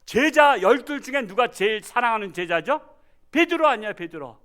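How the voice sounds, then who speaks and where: A man in his sixties, a pastor giving a Sunday sermon in a folksy, joking way, jumping from loud cries to quiet asides. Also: very high-pitched, moderate pace. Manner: animated, swinging from loud exclamations to quiet asides.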